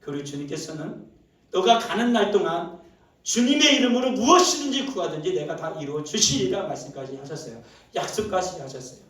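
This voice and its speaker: A man preaching in a church, his fairly high voice ringing through a very echoey hall and sounding set back from the mic. He drops to low murmurs, then bursts into loud exclamations, and keeps throwing rhetorical questions at his listeners. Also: sing-song, a little fast, far from the mic. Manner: asks the congregation rhetorical questions. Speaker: pastor. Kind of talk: sermon. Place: church sanctuary.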